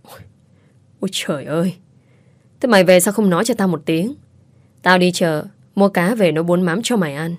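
A bossy, doting old neighbor woman in an audiobook tale, scolding and fussing over the girl next door, as a woman narrator puts her on. Her voice sits low and is recorded close and dry, with no room sound. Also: moderate pace, pauses often, dry recording, close to an everyday voice. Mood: tearful, doting. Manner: scolding yet affectionate, bossy.

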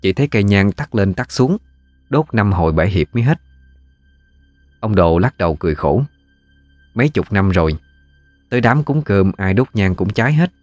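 A man with a Southern Vietnamese accent narrating a ghost story in a folksy, unhurried way. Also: lowish voice, expressive, a little mellow, no echo, faint music behind.

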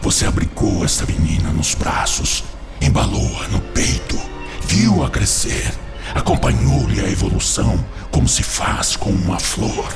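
A man's voice: lowish voice, lively intonation, measured pace, creaky. An actor playing a cunning male spirit who seduces and tempts, whispering and then pressing hard. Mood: insistent. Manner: persuasive, insinuating, swings between whispers and rising urgency. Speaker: voice actor in radio drama. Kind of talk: radio drama acting. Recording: radio drama with music bed.

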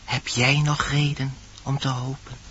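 An actor playing a solemn dwarf with a husky voice, summoning animals in declaimed radio-play verse. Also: male voice, mid-range voice, level tone, unhurried, loud music behind the voice, lightly acted. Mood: imploring. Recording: dull old radio recording.

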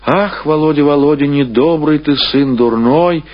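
A male reader performs a sanctimonious landowner father from a classic novel. He laments unctuously and piously, stretching out his exclamations in a husky, slow voice. The recording is dull, like old radio. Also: on the high side. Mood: mawkish lament. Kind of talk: dramatised literary reading.

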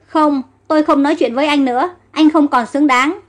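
A woman's voice: high-pitched, steady tone, fairly quick, lightly acted. A woman voicing a heartbroken young queen of ancient Egypt, tearful and despairing.

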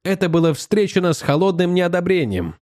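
A man reading a story aloud in the first person, in an animated, expressive manner. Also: high-pitched, a little fast, no echo, studio quality. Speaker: audiobook reader.

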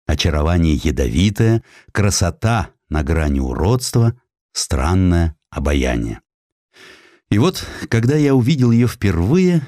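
A man reading a literary audiobook as dramatic scripted narration, deliberate and expressive, with pointed pauses. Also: low voice, no room sound, studio quality.

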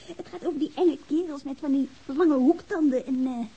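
A woman's voice: sits high, normal speed, warm tone, muffled recording. An actress playing a playful young woman at home, teasing and coaxing in an informal, naturalistic radio drama style.

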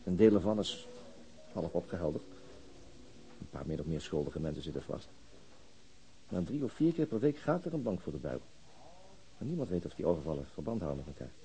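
A man's voice: low voice, sing-song, a little fast, long pauses, mellow, low-quality recording. An actor playing a subdued, hesitant, understated policeman in a Dutch radio crime drama. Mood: hesitant, serious. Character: subdued, hesitant male policeman back from hospital.

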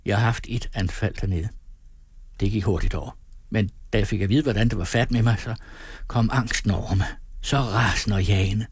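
A man's voice: on the low side, breathy edge, dry recording, clean studio sound. A man reading an anxious sick young man. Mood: anguished.

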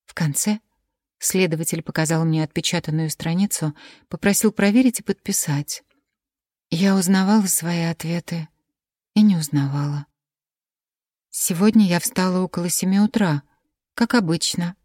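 A woman narrating a first-person audiobook in a quiet, measured reading voice on a close mic. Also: fairly low pitch, no room sound.

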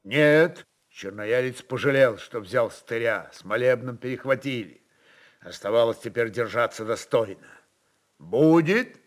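A man narrating a literary story in an expressive, dramatic reading style. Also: medium pitch, normal speed.

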